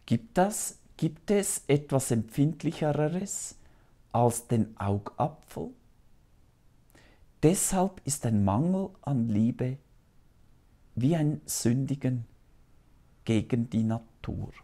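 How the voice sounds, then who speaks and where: A man's voice: mid-range voice, animated, takes it slowly, pauses often, dark tone. A man in his fifties, a priest, preaching solemnly and earnestly to camera in a small TV studio on a lapel mic. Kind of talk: televised sermon.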